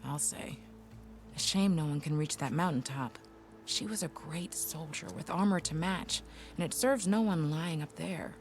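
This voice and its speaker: A woman's voice: sits low, moderate pace, faint music behind. An actress playing a spirited, argumentative female tribal soldier in a video game. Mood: matter-of-fact, regretful. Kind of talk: video game cutscene acting.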